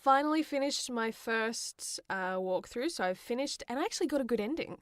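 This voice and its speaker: A woman's voice: on the high side, lively intonation, a little fast, dry recording. Casual Australian woman chatting, close dry sound. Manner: giggly, chatty. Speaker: podcast co-host. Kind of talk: casual gaming chat.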